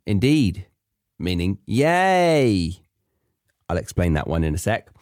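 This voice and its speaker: Male host, low voice, dry close sound, chatty explainer. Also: big pitch swings, takes it slowly, darkish tone, dry recording. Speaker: podcast host for language learners. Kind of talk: casual explanatory monologue.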